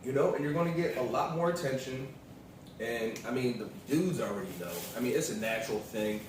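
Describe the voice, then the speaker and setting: A man's voice: medium pitch, a little fast. An American man chatting casually as a co-speaker on a vlog, informal and emphatic in how he makes his points. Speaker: partner of the vlogger, co-speaker. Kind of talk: casual chat. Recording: very echoey room, distant mic, faint noise.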